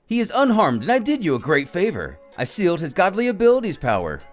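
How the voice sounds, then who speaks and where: Man playing a courtly, theatrical, high-pitched attendant. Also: huge pitch swings, fast. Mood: apologetic. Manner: formal, flowery, melodramatic. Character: courtly, theatrical male attendant of a war god. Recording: music behind the voice.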